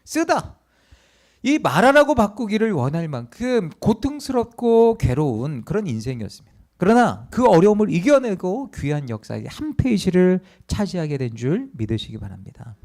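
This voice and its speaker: A middle-aged male pastor with a high voice preaches at a moderate pace in a church sanctuary. His sermon is animated storytelling, and he acts out the voices of the people in his stories.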